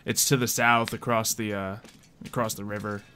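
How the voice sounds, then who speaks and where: A man's voice: on the low side, level tone, normal speed, pushed and bright. Man running a tabletop game, background noise. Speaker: game master. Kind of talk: casual tabletop game narration.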